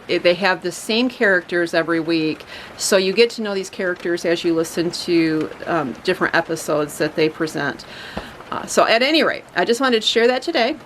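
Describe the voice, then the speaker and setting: A woman's voice: fairly low pitch, slight background noise, poor audio. A woman hosting a family homestead channel, talking casually and chattily with many fillers and restarts. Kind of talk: casual talk to camera.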